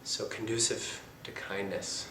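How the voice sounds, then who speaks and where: A man giving a meditation talk in a soft-spoken, reflective manner, with casual asides. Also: on the low side, level tone, unhurried, noisy background. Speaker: meditation teacher. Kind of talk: dharma talk. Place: meditation center hall. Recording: echoey meditation hall with faint ambience.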